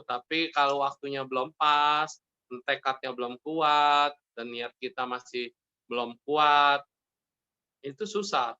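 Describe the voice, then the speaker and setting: A man, a Buddhist monk, delivers a relaxed sermon in a bright, forceful voice that sits a little high. He keeps the mood light, laughing and playing the people in his stories. The sound is slightly muffled, like an online stream. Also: clean tone. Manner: jokey, laughs often, acts out characters in his stories. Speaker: Buddhist monk giving a dharma talk.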